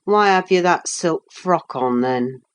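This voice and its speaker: A brooding, resentful young man who speaks low and sullen, read by a woman. The delivery is very slow and measured, with little change from the reader's own voice. It sounds like an audiobook scene. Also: animated.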